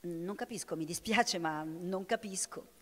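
A woman's voice: mid-range voice, lively intonation, normal speed, close to an everyday voice. A woman reading a big black harbor tomcat. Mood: earnest. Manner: pleading, earnest. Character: big black male harbor cat, earnest and persistent. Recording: long hall reverb.

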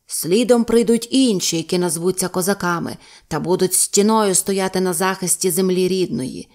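Old male Cossack sage, read by a woman: solemn, slow, prophetic storybook voice. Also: fairly low pitch, darkish tone, lightly acted. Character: wise old male Cossack mystic, calm.

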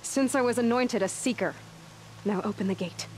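An actress playing a bold, defiant young tribal huntress with an assertive manner in a video game. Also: female voice, on the high side, normal speed, a little mellow, lightly acted, low-quality recording. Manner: assertive, challenging. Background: music and rain.

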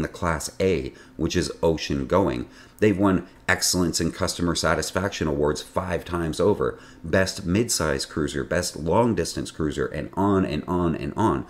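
A man in his forties delivers a scripted sailing-channel narration, his voice low and deep. His pitch swings widely as he talks, with a chatty, wry manner and dry asides. He is recorded indoors in a home office, at a desk camera a short distance away.

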